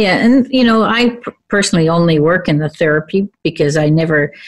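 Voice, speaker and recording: With a warm, upbeat tone, a woman of medium pitch speaks at a moderate pace, somewhat breathy, her pitch swinging very widely. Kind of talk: radio interview hosting. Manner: warm, chatty, upbeat.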